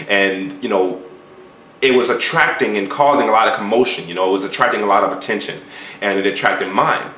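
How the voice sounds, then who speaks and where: A man's voice: fairly low pitch, sharp tone. A man casually recounting a dream in a puzzled, musing, rambling, slangy way, like a YouTuber talking to viewers. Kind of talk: casual storytelling monologue. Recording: echoey room, faint background noise.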